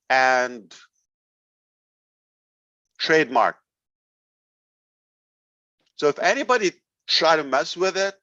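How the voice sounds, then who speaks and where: A man's voice: a little high, a bit bright, no echo. A man leading a company, addressing members in a blunt, emphatic motivational talk. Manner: blunt, emphatic, sarcastic at times. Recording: dull, dry recording.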